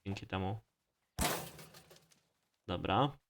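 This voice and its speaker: A man's voice: low-pitched, animated, drawn-out words, vocal fry. A man with a Polish accent giving casual, slangy, mildly profane gaming commentary as host of a let's play. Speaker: gamer hosting a let's play series.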